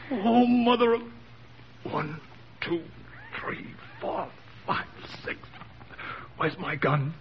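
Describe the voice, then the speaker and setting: An actor playing a badly wounded young soldier, gasping in pain and answering wryly in a 1940s radio drama. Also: male voice, high-pitched, lively intonation, takes it slowly, pauses often, slight background noise, exaggerated voice. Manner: gasping, wry through the pain. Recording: dull old radio broadcast.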